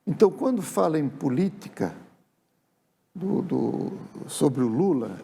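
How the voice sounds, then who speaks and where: In a TV studio, a writer appearing as a guest tells stories reflectively during a casual interview, often using tag questions. His voice sits on the high side yet has a dark, gravelly, slightly rough tone, animated but unhurried.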